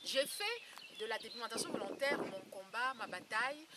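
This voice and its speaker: A beauty blogger in her fifties who campaigns against skin lightening speaks informally to her followers in a slightly high, expressive voice at a moderate pace. She's earnest and emphatic, repeating phrases to drive points home. The mic is distant, with clear background noise.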